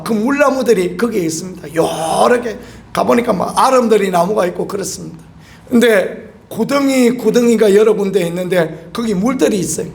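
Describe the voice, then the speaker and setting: A middle-aged pastor with a high-sitting voice and vocal fry preaches an early-morning sermon in a church sanctuary. He asks the congregation rhetorical questions and bursts into emphatic exclamations.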